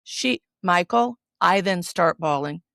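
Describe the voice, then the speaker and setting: A woman's voice: fairly low pitch, takes it slowly, creaky, no room sound, clean studio sound. A middle-aged woman, a judge co-hosting a show, who tells a family story in casual chat and acts out everyone's lines. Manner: animated storyteller acting out family dialogue. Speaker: co-host, a judge.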